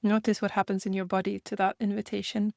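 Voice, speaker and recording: A woman leading a guided meditation in a gentle manner, speaking in unhurried invitations with long pauses. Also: mid-range voice, level tone, vocal fry, dry recording, studio quality.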